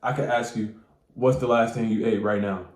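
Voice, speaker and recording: A man with a lowish voice and a stuffy nose talks straight to his viewers in loose, slangy, profane language. He gives casual advice in a room with a noticeable echo. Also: steady tone, normal speed. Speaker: manifestation coach.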